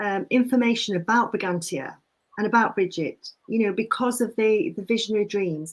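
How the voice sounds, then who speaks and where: A woman with a Yorkshire accent talks at a fairly quick pace. Her fairly high voice has lively intonation. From West Yorkshire, England. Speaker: druid practitioner, nurse. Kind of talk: casual chat. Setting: live video stream.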